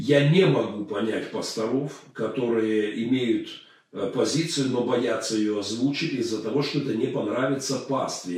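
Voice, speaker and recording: Amid audible room echo and noticeable background noise, a man talks at a fairly slow pace. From Ukraine. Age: 50s. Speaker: pastor. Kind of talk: live stream Q&A. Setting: home office.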